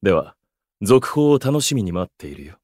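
An actor playing an aloof, amused male observer in an audio drama, with pompous, gentlemanly phrasing. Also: on the low side, very animated, moderate pace. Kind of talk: Japanese audio drama acting.

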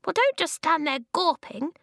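A woman voicing a pompous, cranky man made of rocks in a children's audiobook, with a high, reedy, creaky voice and a tart, complaining manner. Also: sing-song, moderate pace, a bit bright, no room sound, clean studio sound, heavily acted. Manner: tart, snapping, haughty complaining.

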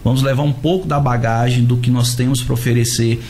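A man's voice: medium pitch, fairly even intonation, a little fast, a little mellow. Bahian man telling stories, noisy background. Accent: Bahian Brazilian. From Salvador, Bahia, Brazil. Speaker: guest, pastor and skate ministry leader. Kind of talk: conversational storytelling in a radio interview.

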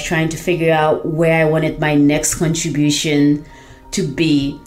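A woman podcast host from Haiti shares her story in a low, earnest voice. She talks reflectively, leaning on "you know" as she thinks. Soft music sits faintly behind her. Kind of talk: personal testimonial.

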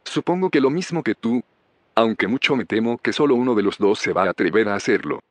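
A distrustful male scientist in an audio drama. His fairly low voice is dry and close, skeptical and faintly ominous. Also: expressive, fairly quick, no room sound. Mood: wary, skeptical.

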